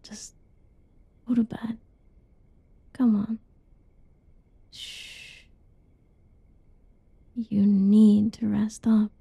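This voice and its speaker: A young woman doing a whispered ASMR roleplay in a soft, teasing whisper, recorded close and dull. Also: mid-range voice, level tone, extremely slow, vocal fry, long pauses, husky, dry recording.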